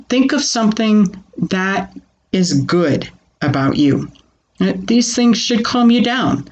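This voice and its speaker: A woman calmly talking listeners through a grounding exercise in an informal, conversational way, using questions and personal asides. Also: medium pitch, lo-fi sound. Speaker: presenter of a self-help grounding exercise. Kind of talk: conversational self-help talk teaching a calming grounding exercise.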